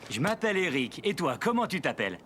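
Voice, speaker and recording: An actor playing a friendly, enthusiastic firefighter in a French children's cartoon, patiently and jovially explaining things to a child. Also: male voice, fairly high pitch, very animated, fast talker, fairly bright tone, slight background noise.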